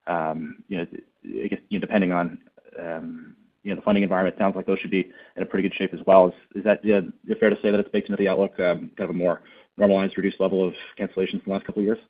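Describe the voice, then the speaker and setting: Male analyst, deep voice, rapid delivery, courteous questions on a phone-quality conference call. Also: little pitch movement. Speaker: financial analyst asking questions. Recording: phone-like narrow band call.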